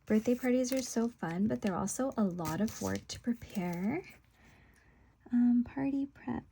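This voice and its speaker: Creaky-voiced woman chatting through crafts. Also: fairly high pitch, measured pace, mellow. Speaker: craft video host. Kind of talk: casual plan-with-me chat, narrating while working.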